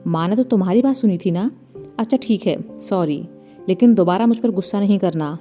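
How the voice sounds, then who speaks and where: A woman's voice: medium pitch, a little fast, warm tone, faint music behind, natural voice. A woman voicing a teasing young woman. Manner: teasing, playful. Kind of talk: storybook narration.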